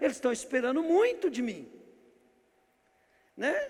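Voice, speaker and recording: A man speaking at a fairly slow pace. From Brazil, rural interior (Bandeirantes, Paraná). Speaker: pastor. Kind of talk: sermon. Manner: conversational, informal.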